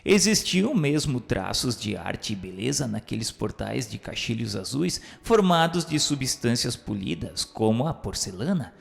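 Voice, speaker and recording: Man as dramatic, gravelly, brooding memoir narrator. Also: mid-range voice, very animated, a little slow, hardly any pauses, heavily acted. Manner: theatrical, ornate formal diction. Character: male suicide spirit recounting his memoirs, brooding, literary. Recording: long hall reverb.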